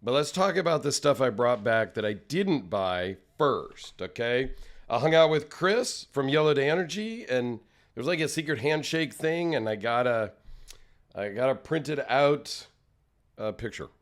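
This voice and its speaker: A man talks casually straight to camera, his voice a touch raspy and tired after a long trip. He rambles along in a friendly, self-deprecating way at an ordinary mid pitch. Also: animated, a little slow. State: slightly raspy, tired from travel. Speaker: knife channel host. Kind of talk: casual solo vlog.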